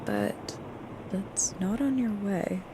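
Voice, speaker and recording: A woman acting a measured, observant character in an audio drama. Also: medium pitch, huge pitch swings, background noise.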